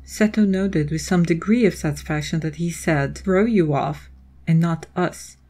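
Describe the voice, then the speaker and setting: A woman's voice: lowish voice, unhurried, dark tone. A woman reading scripted, dramatic story narration as the narrator of an audio drama.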